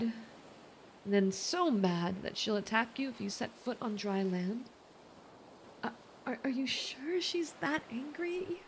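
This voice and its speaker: A woman voicing a kind, worried mermaid in an ASMR roleplay, speaking in a gentle, earnest, slightly hesitant way. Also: on the high side, a little hiss or hum. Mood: taken aback. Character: kind, worried female mermaid rescuing a shipwrecked sailor.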